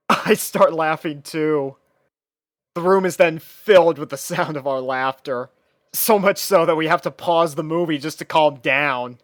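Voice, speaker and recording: Smooth, dry-sounding male story narrator. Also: a little high, dry recording. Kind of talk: scripted first-person story narration.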